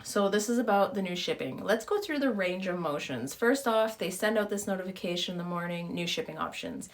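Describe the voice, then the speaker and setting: A woman with a slightly hoarse, sore-throat voice, telling a story in a casual, exasperated vlog style with acted-out reactions. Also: lowish voice, expressive, brisk. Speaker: YouTube host and online reseller.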